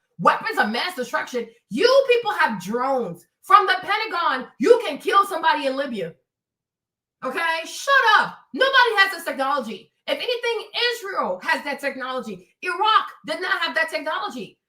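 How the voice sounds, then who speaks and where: Speaking at a moderate pace in a raised, projected voice, a woman sounds animated, with a bright, sharp tone. Her pitch is extremely high and makes very wide swings. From West Africa. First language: French. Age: 30s. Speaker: streamer. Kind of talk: livestream commentary.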